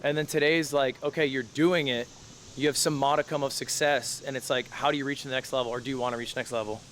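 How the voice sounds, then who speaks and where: A man's voice: mid-range voice, fairly even intonation, fast, a bit bright, a little hiss or hum. A young man streaming casually, joking and swearing freely as he talks to his chat and plays a professor. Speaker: streamer playing a university professor.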